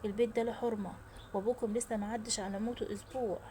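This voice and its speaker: A woman's voice: a little high, fairly even intonation, rapid-fire, mellow, slight background noise, close to an everyday voice. A woman voicing a stern, domineering widowed mother with an Egyptian accent, cold and commanding.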